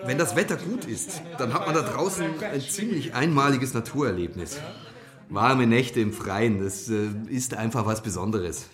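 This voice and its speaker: Man playing opinionated eco-activist, radio drama lecturer, wry, explanatory, medium pitch, echoing room. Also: moderate pace, a crowd in the background, natural voice. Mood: friendly. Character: engaged male environmental activist lecturing youth campers.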